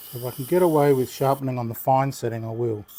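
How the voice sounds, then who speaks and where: With an Australian accent, a man of medium pitch speaks at a fairly quick pace over noticeable background noise. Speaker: knife sharpening youtuber. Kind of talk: casual tutorial chat. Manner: jocular, animated.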